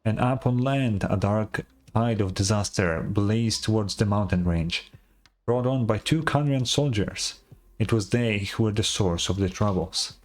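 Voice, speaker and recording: An actor playing an earnest tribal storyteller in a video game, telling heroic legends in a measured, reverent, solemn way. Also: male voice, on the low side, lightly acted. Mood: solemn, dramatic. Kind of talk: dramatic storytelling, scripted game dialogue.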